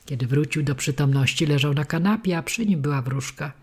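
A woman narrating a children's storybook in an expressive, vivid way. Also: low-pitched, a little fast, slightly rough. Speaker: audiobook reader.

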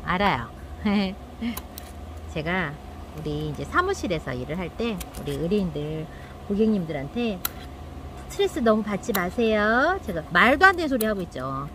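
A woman's voice: lowish voice, fairly bright tone, a little hiss or hum. A middle-aged woman hosting a succulent channel, chatting casually while tending her plants and acting out quoted thoughts.

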